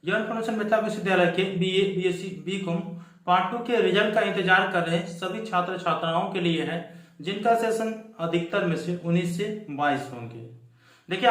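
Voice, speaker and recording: In an echoey room, a man hosting a student news channel gives viewers an emphatic, explanatory update, repeating his points. His voice sits high with a fairly bright tone.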